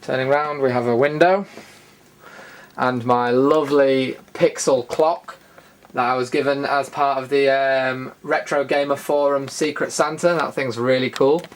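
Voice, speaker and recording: British guy showing people round his games room, chatty and rambly, mid-pitched voice, keen on his stuff. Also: fairly even intonation, unhurried. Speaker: host of a retro gaming show. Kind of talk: casual room tour narration.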